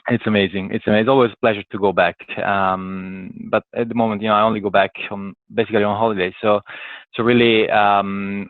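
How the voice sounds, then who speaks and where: Over thin, phone-like call audio with no room sound, a lowish-voiced man from Italy speaks with an Italian accent. A corporate professional appearing as a podcast guest, he answers interview questions conversationally, hesitant and thinking aloud in fragments.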